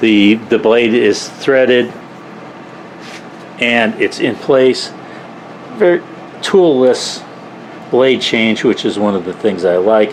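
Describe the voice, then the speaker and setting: Against noticeable background noise, a man of medium pitch talks at a very slow pace with long, frequent pauses. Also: ordinary pitch variation. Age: 70s. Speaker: woodworker reviewing tools. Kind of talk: product review tutorial. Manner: halting, many restarts and fillers.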